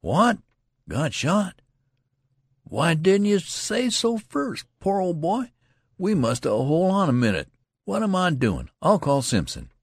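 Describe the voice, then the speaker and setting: An eager, loud young soldier whose voice shoots up high and swings wildly between exclamations, as a male audiobook reader puts him on. The tone stays gravelly and husky underneath, in a dry recording. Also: slow pace, no echo, full character voice. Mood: excited. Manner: high, breathless, excited exclamations.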